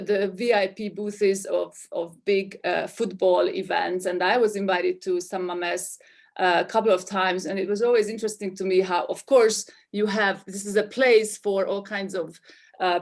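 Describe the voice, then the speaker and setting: This is a woman presenting research in an online webinar. Her voice sits at a middle pitch, and she reasons her way forward with frequent ums and self-corrections. She comes through a video-call mic. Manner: thoughtful, hesitant with many fillers. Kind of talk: academic webinar talk.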